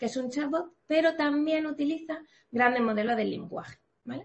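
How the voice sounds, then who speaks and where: A woman speaks with an Andalusian accent. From Andalusia, Spain. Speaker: conversational AI expert. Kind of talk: online talk.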